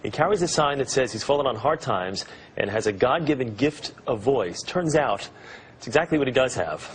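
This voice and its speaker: A man's voice: mid-range voice, expressive, moderate pace, a little hiss or hum. Upbeat male morning TV host. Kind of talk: broadcast interview hosting.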